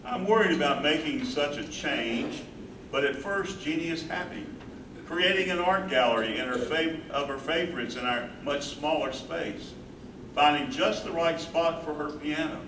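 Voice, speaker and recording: A man's voice: a little high, normal speed, a crowd in the background, natural voice. Guy playing older devoted husband, sad caretaker, stage reading, echoey and far from mic. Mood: weary, devoted. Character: Max, devoted aging husband and caretaker, tender, mournful. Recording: roomy, distant, noisy stage recording.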